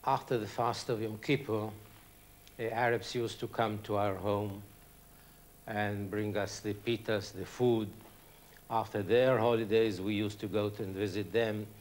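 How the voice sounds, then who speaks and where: A man's voice: fairly low pitch, fairly even intonation, a little slow. A man whose first language is Arabic, earnestly reminiscing in an interview. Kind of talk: interview recollection.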